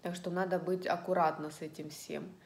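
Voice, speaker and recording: A woman's voice: fairly low pitch, little pitch movement, fairly quick. Chatty woman in an echoey room. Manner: rambling, chatty, telling everyday stories. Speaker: lifestyle vlogger. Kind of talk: casual chat to viewers while eating. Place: indoors at home in an echoey room. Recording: roomy, echoing indoor sound.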